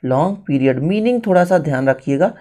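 A man's voice: a little high, lively intonation, brisk, mellow. An Indian man teaching a writing lesson step by step, repeating phrases and switching languages as he explains each one.

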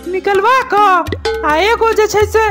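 A young cartoon rascal of a nephew with an extremely high, squeaky voice. He is shifty and wheedling, always dodging and bargaining. Music runs clearly behind the voice. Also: slow pace. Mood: sheepish. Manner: wheedling, evasive, repetitive filler phrases. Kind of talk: comedy cartoon dialogue.

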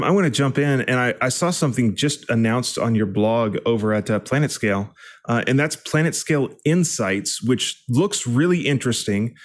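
A man in his thirties co-hosting a podcast, asking curious questions casually with fillers, on a headset. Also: mid-range voice. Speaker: podcast co-host. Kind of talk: conversational podcast interview.

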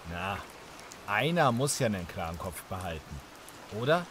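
A man's voice: fairly low pitch, big pitch swings, moderate pace, background noise. A young man playing a police trainee, speaking in a friendly, reassuring way. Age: young adult. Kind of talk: radio drama acting.

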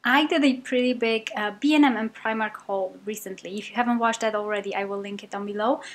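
A woman's voice: on the high side, quick pace. A young woman with a British accent narrating her cleaning routine in a casual, upbeat voice-over, with frequent ums. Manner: chatty, upbeat, many ums. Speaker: cleaning vlogger.

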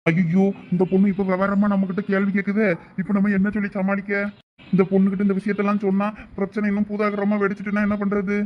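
A stubborn, blunt young village husband, played by a man in a family comedy skit. His voice is fairly high for a man, and his lines come quick and bickering. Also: monotone, lo-fi sound, natural voice. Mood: worried. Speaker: skit actor playing a husband and his friend.

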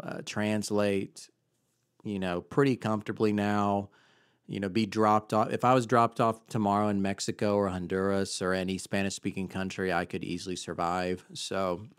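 A man's voice: on the low side, clean tone, no echo, studio quality. A man in his thirties hosting a faith podcast from a home office, speaking into a handheld mic in a chatty, earnest way with many fillers. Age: 30s. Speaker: podcast host. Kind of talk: casual faith podcast monologue. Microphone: handheld mic close to mouth.

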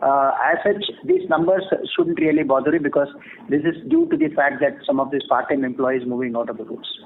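A man with an Indian accent, a bank executive giving measured, formal, explanatory answers on an earnings call. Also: medium pitch, sing-song. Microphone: phone conference call. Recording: tinny phone line with clear noise.

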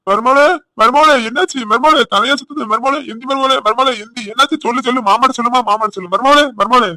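A man voicing a grumbling village father-in-law in a cartoon, loud and complaining with a Tirunelveli Tamil accent. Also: very high-pitched, quick pace, no room sound, heavily acted. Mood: alarmed.

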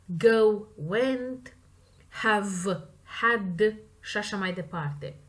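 A woman with a Romanian accent, teaching English grammar and stressing the example words slowly and clearly. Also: mid-range voice, fairly bright tone. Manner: slow, stressed model words between quick explanations. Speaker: language teacher. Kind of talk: explaining grammar in a recorded lesson.

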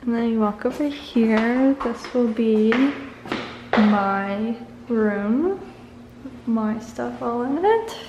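A young woman narrates a casual walk-through vlog with a camera at arm's length. She talks slowly, a little high, and giggles between remarks. Bare, echoey rooms ring around her voice. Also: dull audio, heavy background noise. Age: young adult. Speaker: vlogger. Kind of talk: casual vlog, house tour. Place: car, then empty house with bare rooms. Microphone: handheld camera at arm's length.

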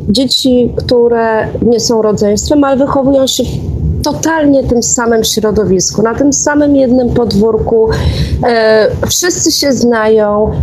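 A woman in a casual discussion, setting out her argument haltingly with some drawn-out words. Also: on the high side. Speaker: discussion participant. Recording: clear background noise.

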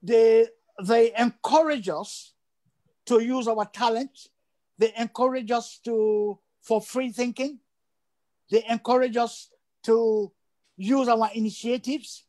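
A man's voice: very high voice, steady tone, takes it slowly, darkish tone. An older man from Sierra Leone, a guest on a video call interview, speaking emphatically and repeating phrases for stress. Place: indoor room at home.

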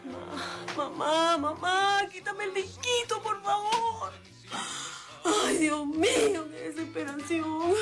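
A woman's voice: very high voice, slow, few pauses, over music, full character voice. An actress playing a flustered, stressed woman with a Venezuelan accent in a TV comedy-drama. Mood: self-soothing. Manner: flustered and exclamatory, talks herself calm. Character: frazzled woman on New Year's Eve.

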